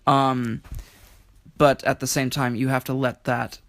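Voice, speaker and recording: A man with a mid-pitched voice and very little room sound, speaking earnestly and reflectively. He comes across as a poet sharing his thoughts as a guest. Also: little pitch movement, unhurried, a bit bright, no room sound. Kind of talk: earnest conversational talk and poetry reading.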